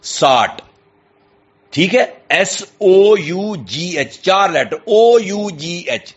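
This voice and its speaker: A male teacher with a Pakistani Urdu accent explains English spelling patterns, slowly spelling out each word letter by letter and repeating the main point. His voice sits somewhat high for a man. The recording is dull and muffled, with a lo-fi sound. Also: lively intonation, husky. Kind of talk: classroom lesson explanation.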